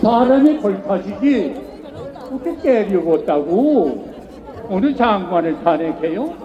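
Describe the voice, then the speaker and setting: With crowd noise in the background, the speaker's intonation is lively. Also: man. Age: 80s+. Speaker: pastor. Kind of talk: political rally speech. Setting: outdoors.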